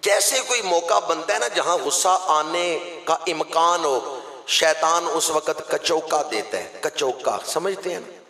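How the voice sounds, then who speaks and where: A man from Pakistan with a Pakistani Urdu accent, delivering a sermon as a preacher. He swings between loud, declaiming passages and hushed storytelling. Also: fairly high pitch, measured pace. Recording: echoey hall with long reverb.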